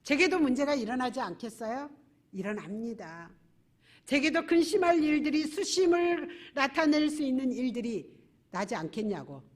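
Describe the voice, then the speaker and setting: Woman pastor, sermon, high bright pitch, lively swooping delivery, rhetorical questions. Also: moderate pace. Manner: animated preaching with rhetorical questions to the congregation. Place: church service.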